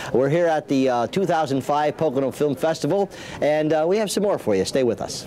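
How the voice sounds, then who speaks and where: A man with an American accent at a fairly quick pace, over light background noise. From US Northeast (Pennsylvania). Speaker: TV interview show host. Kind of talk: casual on-location interview. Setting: on location at a film festival. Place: hall.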